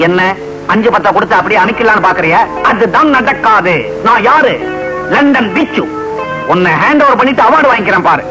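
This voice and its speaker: A man's voice: high-pitched, animated, brisk, music in the background, poor audio. An actor playing a boastful man who poses as a visitor from London, slipping English phrases into his talk. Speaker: comic actor in a film scene.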